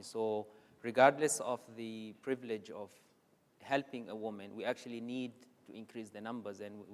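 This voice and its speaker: Measured man on a hall panel. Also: mid-range voice. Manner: measured, hesitant with fillers. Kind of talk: panel discussion. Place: conference hall stage. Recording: echoey conference hall.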